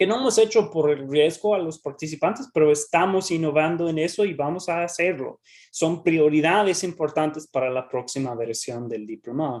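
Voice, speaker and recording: Fairly high-pitched, a man speaks with lively intonation at a moderate pace. He leaves hardly any pauses. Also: quiet background. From United States. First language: English (speaking Spanish). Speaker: history professor and researcher. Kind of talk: conference lecture. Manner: halting, with frequent repetitions and fillers.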